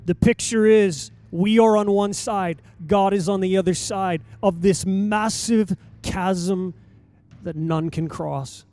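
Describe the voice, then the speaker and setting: High-voiced preaching man, mellow tone. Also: steady tone, faint music behind. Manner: emphatic preaching with dramatic pauses. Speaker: pastor. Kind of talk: sermon. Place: church sanctuary.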